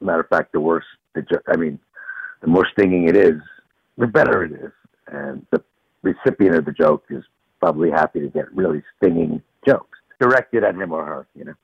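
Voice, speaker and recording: A man on speakerphone over a phone line, a comedy writer talking as a guest in a dry, deadpan way. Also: sits low, fairly quick, gravelly, breathy edge, no echo. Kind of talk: casual call-in interview.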